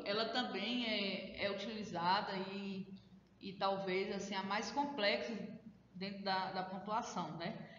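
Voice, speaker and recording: A woman's voice: mid-range voice, a bit bright. Brazilian lady teacher walking students through a remote lesson, keeps checking in, pretty echoey, faint hiss behind. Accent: Brazilian Portuguese. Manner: explains step by step, checking in with "né?" and "certo?". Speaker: schoolteacher. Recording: very echoey room, dull lo-fi sound.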